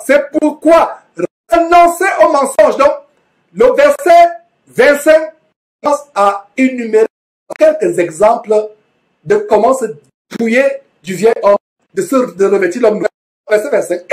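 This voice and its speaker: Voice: medium pitch, a little mellow. A preacher teaching verse by verse from the Bible, reading each passage aloud and then explaining it with repetition and frequent self-corrections.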